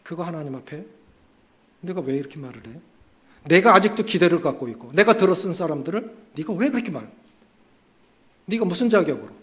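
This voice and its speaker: Male pastor, church sermon, higher-set voice with a very lively melodic range, shifts between emphatic and soft. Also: a little fast, pauses often. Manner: lively delivery, dropping to soft asides and rising for emphasis. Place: church sanctuary.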